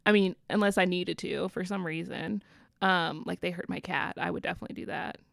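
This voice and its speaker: A woman's voice: lowish voice, fairly even intonation, brisk, creaky, fairly bright tone, no echo, clean studio sound. A woman from the American South with a Southern accent, co-hosting a casual book podcast, chatty with frequent laughs. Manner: chatty, laughs often, many fillers.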